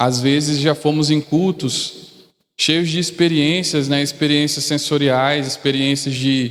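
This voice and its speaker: In a room with audible echo, a man speaks very slowly in a fairly high voice at very even loudness. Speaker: Bible study teacher. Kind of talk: Bible class lecture.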